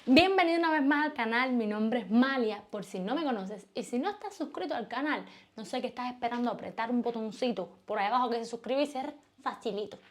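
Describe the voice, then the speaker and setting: A young woman with a Cuban accent, vlogging from home in a playful, teasing way. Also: on the high side. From Cuba. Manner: playful, fast, teasing, lively. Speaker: YouTuber. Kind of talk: casual vlog to camera.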